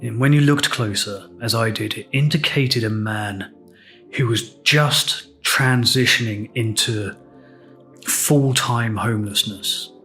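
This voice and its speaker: A man with an English accent hosting a podcast, telling a personal story in a reflective, candid, unhurried way. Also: mid-range voice, a bit bright, faint music behind. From England. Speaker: podcast host.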